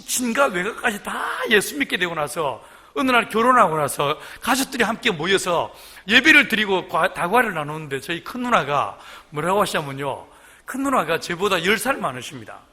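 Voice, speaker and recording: Animated high-voiced preacher in reverberant church. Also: male voice, breathy edge. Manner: animated, storytelling with voiced quotes and laughter. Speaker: guest pastor. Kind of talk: revival sermon. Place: church sanctuary. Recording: long hall reverb in church.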